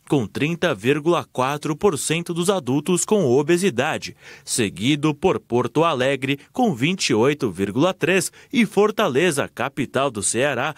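A man with a Brazilian Portuguese accent reading a scripted news report in a steady, measured way. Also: on the high side, no room sound, studio quality.

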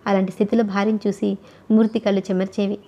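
Woman reading a novel aloud, steady and even, soft mellow voice. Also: medium pitch, fast. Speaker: audiobook narrator. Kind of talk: scripted narration of a novel.

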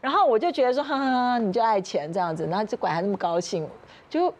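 A woman with a Taiwanese Mandarin accent, a talk show guest who tells an animated story and laughs often. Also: a little high, fast talker. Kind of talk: casual talk show chat. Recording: studio mix with music underneath. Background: background music.

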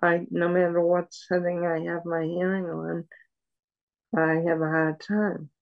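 An older woman on a video call at home, speaking softly and haltingly with many pauses as she talks about her life as a patient. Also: fairly low pitch, little pitch movement, vocal fry, narrow, tinny audio. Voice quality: soft voice. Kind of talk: personal account in an interview. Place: room at home. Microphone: video call webcam.

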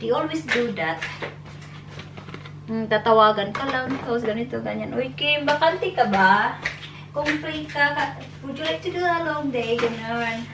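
A young woman with a Filipino accent talks casually as a vlogger, chatty and switching between languages. She is recorded a little way from the mic in an echoey kitchen, with clear clattering noise behind her. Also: a little high, normal speed. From Philippines. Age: young adult. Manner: chatty, mixing Tagalog and English. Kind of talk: casual vlog chat, showing groceries. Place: small home kitchen indoors. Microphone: camera on the counter, a little away. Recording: roomy, distant mic, clattering household noise.

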